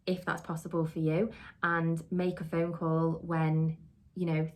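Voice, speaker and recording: A British woman giving conversational, instructional advice as a trainer and podcast host, explaining and rephrasing her points as she goes. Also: low voice.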